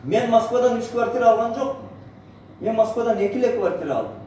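Male motivational speaker, middle-aged, Central Asian accent, high animated voice, emphatic, recorded from afar in an echoey hall. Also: quick pace. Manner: emphatic, boastful, rhetorical questions. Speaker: network marketing speaker, senior manager. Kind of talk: motivational presentation, mixing two languages. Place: on stage in a large hotel banquet hall. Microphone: far camera in the audience area. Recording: echoey hotel hall, distant, noisy.

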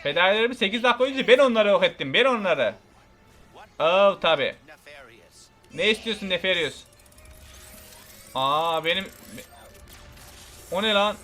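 A man giving casual let's play commentary, excitable and swearing casually as he yells at the game and reads on-screen text aloud. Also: high-pitched, moderate pace, pauses often, soft background music. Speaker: gamer.

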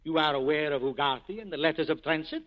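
An actor playing a self-important, courtly black-market boss with formal phrasing, in 1940s radio acting style. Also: male voice, a little high, quick pace, natural voice. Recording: dull 1940s radio broadcast recording.

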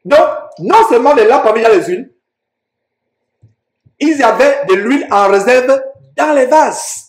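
A man's voice: extremely high pitch, animated, a little slow, roomy sound. A man preaching a sermon, reading Bible verses aloud and explaining them with emphatic rhetorical questions.

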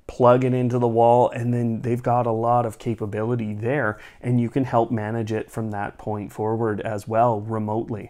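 A man's voice: medium pitch, a little mellow. Man presenting tech updates. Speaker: host of a smart home tech channel. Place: small indoor studio room.

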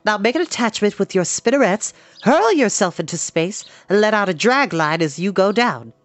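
A storybook reader voicing a clever female spider who teaches in a precise, patient, brisk way. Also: medium pitch, big pitch swings, dry recording, soft background music, voice pushed up, natural voice. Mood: brisk, coaching. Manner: precise, instructive, matter-of-fact.

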